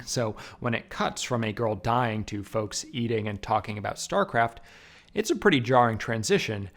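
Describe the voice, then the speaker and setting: Male video essayist, mid-pitched, wry and conversational, scripted review read with emphatic asides.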